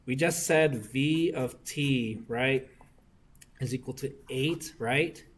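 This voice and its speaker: With a husky, medium-pitched voice, a young engineering discussion instructor slowly solves circuit homework problems for his class. He often tags on "right?" to check that students are following along.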